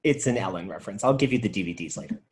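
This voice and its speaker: Man acting earnest comedy store clerk, dramatic, very animated intonation, theatrical, pleading. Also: lowish voice, rapid-fire, close to an everyday voice. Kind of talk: table read of a comedy script.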